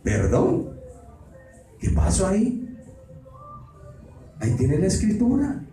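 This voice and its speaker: A man's voice: sits high, wildly swooping pitch, takes it slowly, warm tone, faint music behind. A man preaching a Bible study sermon in a dramatic way, firing off rhetorical questions. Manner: dramatic, acts out quoted voices, rhetorical questions. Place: church meeting hall. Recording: echoey hall, distant mic, faint ambience.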